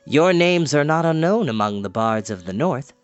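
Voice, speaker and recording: A man voicing a noble, modest young warrior prince in a storybook, speaking in a courteous, measured way. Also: fairly high pitch, lively intonation, clean tone, soft background music, close to an everyday voice.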